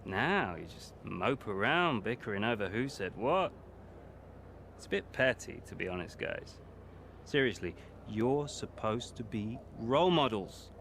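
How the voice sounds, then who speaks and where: A smug, mocking racing driver. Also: male voice, lowish voice, big pitch swings, a little slow, vocal fry, fairly bright tone, slight background noise, heavily acted. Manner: teasing, mocking, laughs a lot.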